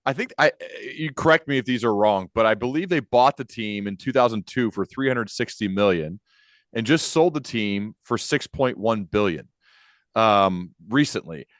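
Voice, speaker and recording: A man's voice: on the low side, expressive, moderate pace, a bit bright, no echo, studio quality. A man hosting an interview podcast, speaking casually and informally, rephrasing as he goes.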